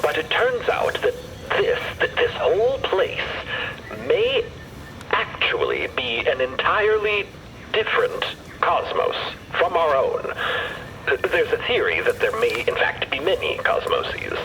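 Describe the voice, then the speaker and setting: Anxious, wordy intellectual man, animated pitch. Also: a little hiss or hum, exaggerated voice, poor audio. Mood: anxious, earnest. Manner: halting, formal and pedantic. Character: anxious, cerebral, wordy man named Merlin. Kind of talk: narrative fiction podcast acting.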